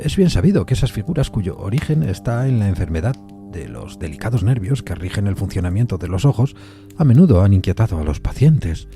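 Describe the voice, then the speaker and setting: An actor playing a composed, rational gentleman who narrates an eerie literary tale in a measured, deliberate way. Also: mid-range voice, breathy edge. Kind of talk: literary first-person narration in audio fiction.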